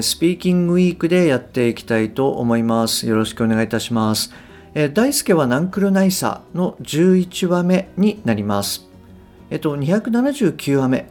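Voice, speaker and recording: A man hosting a business English podcast, talking politely and reading the lesson lines slowly. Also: fairly high pitch, darkish tone. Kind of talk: podcast monologue.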